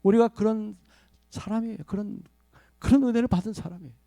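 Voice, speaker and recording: A man's voice: high-pitched, fast, vocal fry, dark tone, no room sound. A male pastor preaching a Sunday sermon in a church. He repeats key phrases, asks the congregation questions and leads them in reading scripture aloud. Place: church sanctuary.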